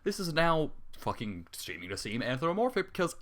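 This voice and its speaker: A man's voice: a little high, big pitch swings, a little fast, fairly bright tone. A man reading a story aloud while breaking off into exasperated, sarcastic commentary and frequent swearing. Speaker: story reader. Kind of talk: dramatic reading with angry commentary.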